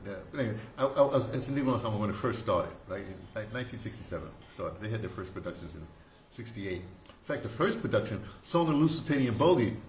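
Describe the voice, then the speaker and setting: A man in his seventies telling stories informally, in a halting, digressive way with emphatic stresses. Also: mid-range voice, a little mellow. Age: 70s. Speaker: audio dramatist recounting theater history. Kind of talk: informal rambling storytelling to camera. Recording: roomy echo, background noise.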